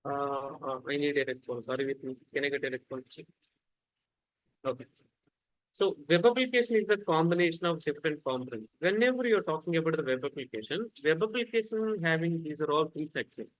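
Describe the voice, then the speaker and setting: Repetitive higher-voiced male online teacher. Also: expressive, fairly quick, muffled recording. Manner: repetitive, fillers like "actually", quizzes students. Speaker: instructor. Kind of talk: live online lecture. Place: home, rain outside.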